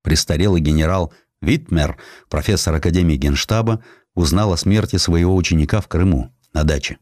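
A man reading a historical sketch as an audiobook narrator, in an expressive, dramatized storytelling manner. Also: low voice, fairly quick, no room sound, clean studio sound. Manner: expressive storytelling, voicing quotations.

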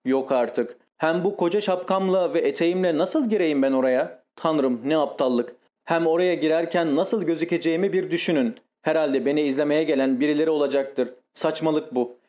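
Man reading a capricious young wife, exclaiming, self-pitying, slightly high voice, audiobook. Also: moderate pace, darkish tone, close to an everyday voice. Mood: petulant.

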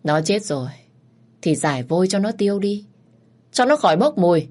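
A woman's voice: mid-range voice, very animated, moderate pace, darkish tone. A woman voicing a bitter, grieving old servant woman who accuses her mistress's son. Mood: cold. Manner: accusing, resentful.

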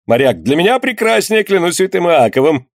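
A man voicing an eager, proud sailor who speaks in quick, excited exclamations. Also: high-pitched, dry recording, clean studio sound, pitched above the performer's own voice. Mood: elated. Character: jubilant old male sailor, eager and proud.

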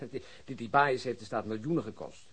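An actor playing a sceptical police detective with dry, sardonic remarks in a radio play. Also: male voice, mid-range voice, brisk, fairly bright tone, breathy edge. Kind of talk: Dutch radio drama acting.

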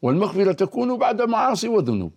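A man's voice: high-pitched, sing-song, fast, creaky, a little mellow. A man explaining Quranic grammar in a teacherly manner, quoting verses and quizzing his co-host. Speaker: scholar of Quranic language. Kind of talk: explanatory religious lesson in dialogue.

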